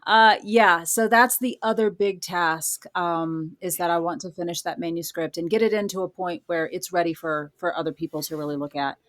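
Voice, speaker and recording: A woman with a fairly low voice talks in a casual interview style. She comes across as a guest author answering questions conversationally, in everyday language. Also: steady tone, normal speed, hardly any pauses. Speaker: guest, horror writer.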